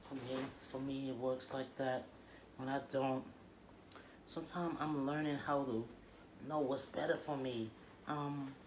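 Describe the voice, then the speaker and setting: Monotone, flat intonation at a fairly slow pace, with long, frequent pauses and noticeable background noise. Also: woman, very deep, low pitch for a woman. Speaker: food vlogger. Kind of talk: casual vlog chat. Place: home room. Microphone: phone near.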